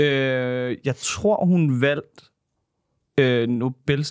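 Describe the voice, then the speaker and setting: The background is quiet and the sound dry with no echo. A man speaks with ordinary pitch variation. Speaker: podcast co-host. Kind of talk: casual chat. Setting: studio. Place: studio. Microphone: new microphones; studio mic.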